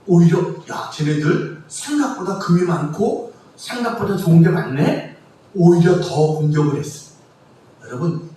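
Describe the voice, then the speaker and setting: High-voiced preacher in an echoey hall. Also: male voice. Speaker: pastor. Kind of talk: sermon. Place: church sanctuary. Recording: distant echoey church hall with faint room noise.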